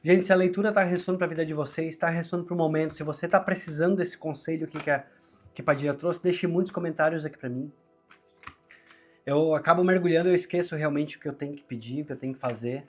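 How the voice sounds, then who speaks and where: A man's voice: a little high, steady tone, quick pace, faint music behind. A Brazilian man with a sore throat, forcing his strained voice as he gives a conversational, encouraging tarot reading to viewers. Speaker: tarot reader, channel host.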